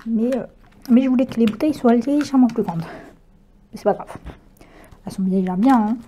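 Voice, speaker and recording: A woman's voice: on the high side, brisk, dark tone, slight background noise. A woman chatting casually through a craft haul, hesitant and full of fillers, often laughing at herself. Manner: chatty, hesitant, many fillers and self-corrections, laughs easily. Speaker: craft vlogger. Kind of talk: casual unboxing chat.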